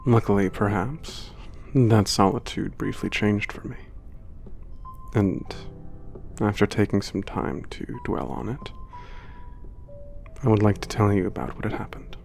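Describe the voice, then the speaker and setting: A man playing an old, gentle, reflective giant, speaking in a measured, formal way as in an ASMR letter home. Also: fairly low pitch, gravelly, faint music behind. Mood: wistful, measured. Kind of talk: ASMR letter narration and roleplay.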